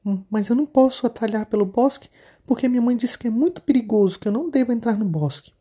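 A woman's voice: lively intonation, fast talker, mellow, breathy edge. Little Red Riding Hood, a tiny girl. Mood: worried. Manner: high, childlike and wide-eyed. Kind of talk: storybook narration.

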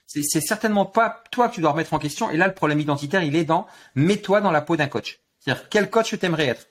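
A man speaking in a fairly high register for his sex walks through his ideas as a guest coach. He talks in an animated, teaching way, leaning on analogies and restarting phrases as he builds each point. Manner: animated teaching with sports analogies, repeats words. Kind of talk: explanatory interview talk.

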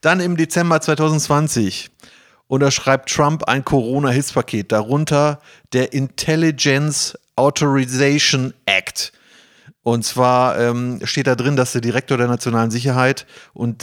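A man hosting a podcast, chatting casually in a halting, informal and excitable way. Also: mid-range voice. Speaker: podcast host. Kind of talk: casual chat, presenting to co-hosts.

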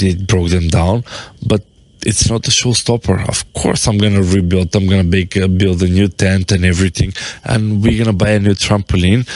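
Low-voiced man talking casually. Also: a little mellow. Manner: rambling, with restarts and loose English. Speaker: podcast host and business owner. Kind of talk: casual talk to camera. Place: on his apartment rooftop, outdoors.

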